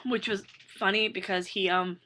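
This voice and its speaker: A hoarse woman in her thirties chatting casually and rambling with self-deprecating asides. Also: mid-range voice, steady tone, moderate pace, sharp tone, slight background noise. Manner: self-deprecating, chatty, lots of fillers and restarts. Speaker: author reading her book.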